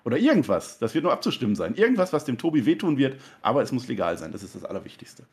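A man co-hosting a wrestling review podcast, joking and chatty in casual talk. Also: mid-range voice. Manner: joking, quick and animated. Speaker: podcast co-host. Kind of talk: casual chat.

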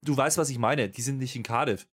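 A man's voice: medium pitch, fast. A man co-hosting a wrestling review podcast, chatting casually, often working himself into a rant with many fillers. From Germany. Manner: animated, ranting with many fillers. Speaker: podcast co-host. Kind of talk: casual chat.

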